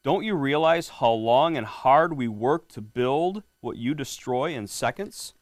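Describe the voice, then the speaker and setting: Cool, stern storybook queen ant, read by a man in his own voice, calm and dry. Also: mid-range voice, a little slow, no room sound, lightly acted. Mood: scolding. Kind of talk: reading a picture book aloud to children.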